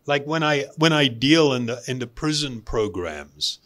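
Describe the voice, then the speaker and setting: A man giving a spiritual self-help talk as a meditation teacher, deliberate, with emphatic pauses and repeated phrases. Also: medium pitch, animated, a bit bright.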